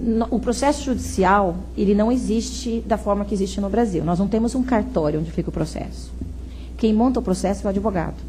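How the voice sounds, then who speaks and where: Amid noticeable background noise and audible room echo, a woman speaks at a fairly quick pace. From Brazil. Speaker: lawyer. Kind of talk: talk to an audience. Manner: conversational, with repetitions.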